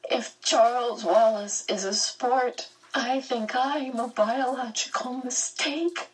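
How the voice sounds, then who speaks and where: An insecure teenage girl in a storybook, her raised voice shaky and close to tears, as a woman reader puts her on. The tone is a little husky and set back from the mic. Water runs faintly behind. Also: fairly high pitch, slow pace, recorded from a distance, voice pushed up, low-quality recording. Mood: tearful. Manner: shaky, trembling over tears.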